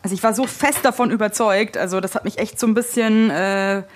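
A woman's voice: medium pitch, steady tone, brisk, slight background noise. Chatty swearing woman podcaster. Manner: chatty, swears casually, rambling with restarts. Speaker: podcast co-host. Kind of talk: casual chat. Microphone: headphones on.

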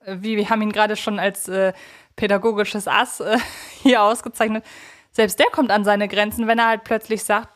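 A woman's voice: mid-range voice, flat delivery, normal speed. A woman co-hosting a podcast, talking in a conversational, thoughtful way and often searching for her words. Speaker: podcast co-host.

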